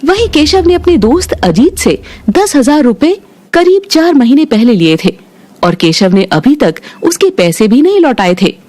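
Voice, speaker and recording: A woman narrating a cartoon story in a steady, matter-of-fact way. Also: high-pitched, moderate pace.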